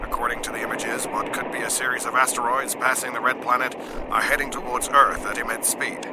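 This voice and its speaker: A man's voice: medium pitch, level tone, brisk, heavy background noise, lightly acted. An actor playing a formal male radio newsreader announcing a special bulletin, in the style of 1940s radio drama. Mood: urgent.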